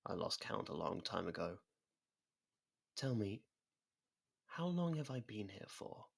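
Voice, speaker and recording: A performer voicing a sadistic, centuries-old vampire in an ASMR roleplay, theatrical and mocking, slipping into slow whispers. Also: low voice, big pitch swings, gravelly, husky, heavily acted. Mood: smug, curious.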